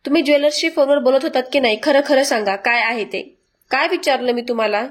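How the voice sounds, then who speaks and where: A woman's voice: high voice, fast. A woman voicing a stern young husband pressing his wife with questions. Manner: questioning, insistent.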